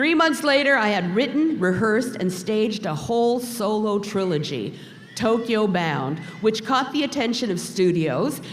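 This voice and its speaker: A woman with a fairly high pitch and very wide pitch swings talks at a moderate pace over noticeable background noise and audible room echo. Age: 70s. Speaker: actress and commencement speaker. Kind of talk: commencement speech.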